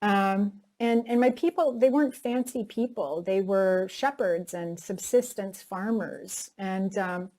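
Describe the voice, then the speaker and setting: A woman's voice: mid-range voice, measured pace, few pauses, darkish tone. Candid woman telling her story. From North America. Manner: candid and reflective, with frequent "like" and "you know". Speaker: actress interviewee. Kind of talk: personal storytelling interview.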